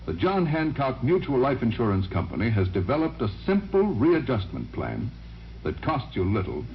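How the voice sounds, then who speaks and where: A man reading a radio sponsor message in a friendly, persuasive pitch-man manner, heard from an old broadcast transcription disc. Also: lo-fi sound, slight background noise. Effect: old broadcast transcription disc sound. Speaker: sponsor announcer. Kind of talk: scripted radio commercial reading.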